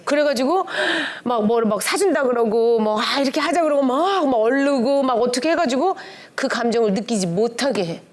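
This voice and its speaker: A woman's voice: on the high side, moderate pace. A middle-aged woman, a pastor's wife, giving a conversational lecture on family relationships to a church class, acting out little bits of dialogue as she goes. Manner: lively, acts out quoted dialogue with shifting tones.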